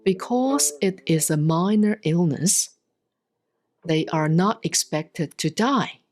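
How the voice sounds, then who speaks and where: A woman giving a solemn, scripted reading of scripture in measured, deliberate phrases with frequent pauses. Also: on the low side, animated, a little mellow, faint music behind. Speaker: sutra reader, Buddhist nun.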